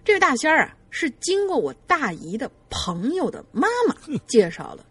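A woman co-host reading a listener's ghost story aloud in an animated way, laughing now and then. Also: high-pitched, moderate pace, breathy edge, dry recording. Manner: animated, laughs while reading, lively voices for quotes.

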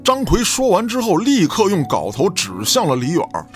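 Man narrating drama with lively intonation. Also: high-pitched, moderate pace. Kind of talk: dramatic scripted story narration. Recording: background music under the voice.

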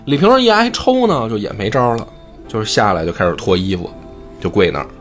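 A man who hosts a podcast, retelling a classic novel in animated, colloquial chat and swearing freely. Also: lowish voice, fast talker, faint music behind. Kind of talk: casual storytelling chat.

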